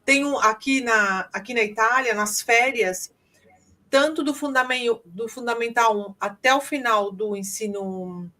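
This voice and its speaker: A woman's voice: a little high, measured pace, pushed and bright. A woman co-hosting a podcast in casual chat, explaining her points step by step in a thoughtful way.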